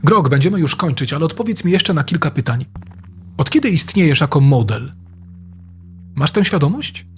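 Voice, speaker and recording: A man with a slightly high voice asks an AI assistant pointed questions in casual speech. He presses insistently for answers, with faint music in the background. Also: sing-song, moderate pace, pauses often. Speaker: user questioning an AI.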